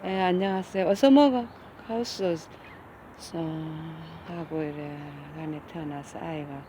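On a hillside outdoors, a middle-aged woman feeds the cats and chats casually, calling them repeatedly with affectionate coaxing; she is their caretaker and the channel's host. Her voice sits on the low side, mellow and steady, at a normal speed, with slight background noise.

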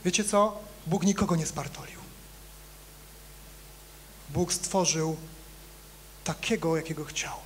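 A male pastor preaching to his congregation in a church, with a fairly high voice. He talks in a conversational way, rising loud and emphatic, then dropping to quiet, low asides. A faint hum sits under the recording. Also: slow pace, long pauses. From Poland. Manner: conversational, addresses congregation directly with humor. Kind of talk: sermon.

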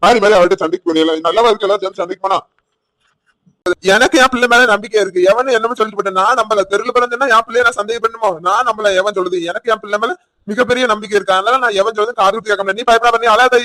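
A man's voice: high-pitched, fairly even intonation, rapid-fire, bright, forceful tone, dry recording. Man doing a firm, reassuring village father. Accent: Tirunelveli Tamil. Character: steady protective village father.

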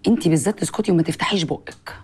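A woman's voice: fairly low pitch, racing, darkish tone, slightly rough. Stern scolding Egyptian woman. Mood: reproachful. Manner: reproachful. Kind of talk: TV drama acting.

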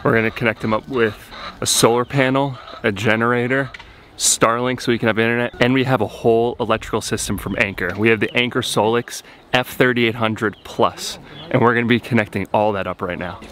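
A man's voice: medium pitch, fairly even intonation, a little fast, fairly bright tone, a little hiss or hum. A young man talking earnestly to a camera he holds at arm's length, outdoors and in a car. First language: English. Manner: earnest, talks straight to camera. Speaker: vlogger, coffee company founder. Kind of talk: casual vlog to camera. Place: outdoors on a rural road and in a car, then a village.

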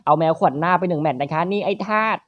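A gaming host talks through a puzzle game with crude, teasing jokes and quick banter. The voice sits in an ordinary middle register. It is recorded close and dry on a slightly muffled home mic. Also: no echo. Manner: crude, teasing, rapid banter with frequent high laughs. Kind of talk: playful let's-play commentary.

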